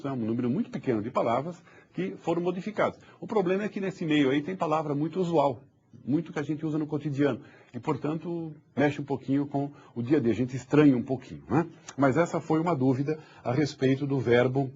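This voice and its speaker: A man's voice: medium pitch, darkish tone, breathy edge. A man giving a patient, explanatory lecture on spelling, repeating points and checking that listeners follow. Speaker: author giving a talk on spelling reform. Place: publisher's studio. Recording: dull muffled lo-fi sound.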